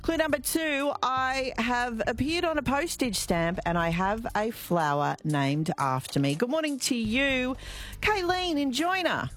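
A woman's voice: fairly high pitch, expressive, measured pace. An Australian woman hosting a talkback radio show, chatting with callers and laughing often. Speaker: radio host.

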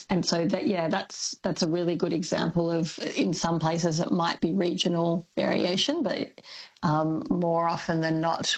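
A woman's voice: lowish voice, vocal fry, a little mellow, rough recording. An Australian woman from Melbourne who explains language topics as a radio guest, thoughtful and full of ums. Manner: thoughtful, with many ums and likes.

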